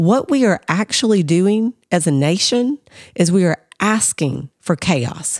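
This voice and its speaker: At a fairly slow pace, a woman with a medium pitch swings her pitch very widely while her loudness stays very even, the sound dry and close with no echo. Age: 50s. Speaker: podcast co-host. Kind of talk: casual chat.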